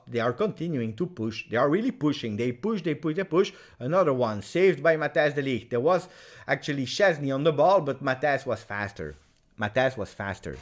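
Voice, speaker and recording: Excitable man reacting live. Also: mid-range voice. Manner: chatty and partisan, bursting into excited shouts at chances. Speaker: fan channel match reaction host. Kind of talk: live match reaction commentary.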